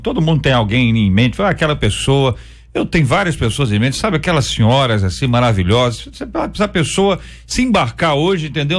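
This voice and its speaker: A Brazilian man moderating a live gospel radio debate. He speaks in a friendly, probing way, often summing up what the guests said. His pitch sits mid-range for a man. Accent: Brazilian Portuguese. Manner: friendly, probing, restates points.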